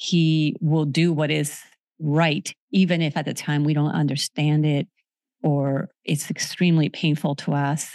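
A woman with a very deep, low pitch speaks at a fairly slow pace in monotone, flat intonation. The recording is very clean, with a silent background and a dry, close sound with no echo. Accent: Spanish. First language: Spanish. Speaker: author and speaker. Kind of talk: casual interview.

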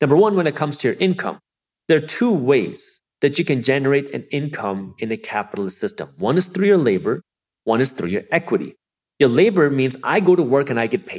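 A man speaks at a fairly quick pace with very wide pitch swings. The recording is very clean, with a silent background. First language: not English. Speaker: finance educator and entrepreneur. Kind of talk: interview conversation.

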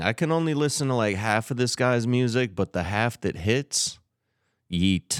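This is a man with an unremarkable speaking voice and an American accent, talking at a moderate pace and medium pitch with ordinary pitch variation. The sound is dry and close with no echo, in a very clean recording with a silent background. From Milwaukee, Wisconsin (Bay View). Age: 40s. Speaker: music producer and DJ. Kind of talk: casual interview chat.

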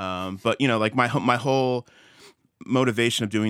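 A man with an American accent talks at a moderate pace in a plain, everyday voice with fairly even intonation. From US Northeast, Connecticut (Milford, near New Haven). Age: 40s. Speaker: sound artist. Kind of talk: casual interview.

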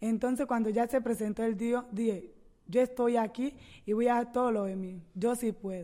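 A woman with a fairly high pitch and a dark, mellow tone speaks at a moderate pace. Her intonation is fairly even, on a very clean recording with a silent background. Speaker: youth football team captain. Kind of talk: interview. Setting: video recorded on location in Doha.

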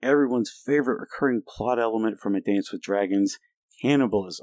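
Delivered at a very fast pace with an American accent and ordinary pitch variation. The recording is very clean with a silent background and a dry, close sound with no echo. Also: man. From US Southeast. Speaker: podcaster. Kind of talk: casual chat.

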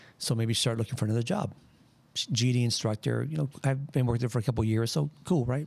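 Very fast and lively in intonation, a man with an American accent speaks at a medium pitch. His somewhat breathy voice sits on a very clean recording with a silent background. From Los Angeles, Boyle Heights. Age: 40s. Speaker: exoneree, wrongfully convicted former prisoner. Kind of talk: casual interview, life story. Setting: studio.

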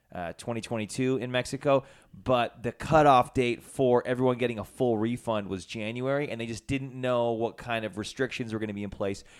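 On a very clean recording with a silent background, a man with a Canadian accent and a normal speaking voice talks at a fairly quick pace in a medium pitch with fairly even intonation. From Canada, Edmonton area. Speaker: podcast host. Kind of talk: casual chat.

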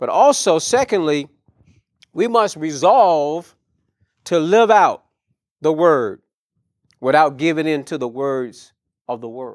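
On a very clean recording with a silent background, a man with a fairly high pitch talks at a very slow pace, his lively intonation and big swings in loudness broken by long, frequent pauses. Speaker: pastor. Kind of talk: conference teaching. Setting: conference room with audience. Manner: halting, many fillers.

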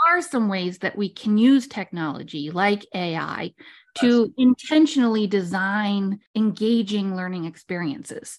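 A woman at medium pitch speaks with lively intonation and a moderate pace over a quiet background. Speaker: podcast host. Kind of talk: interview conversation. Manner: enthusiastic.

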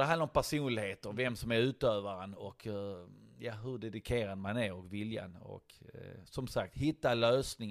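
In a normal speaking voice, a man talks at a moderate pace and medium pitch with ordinary pitch variation and big swings in loudness, on a very clean recording with a silent background. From Sweden, Landskrona (Skåne). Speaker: boxer and fitness coach. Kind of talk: interview.

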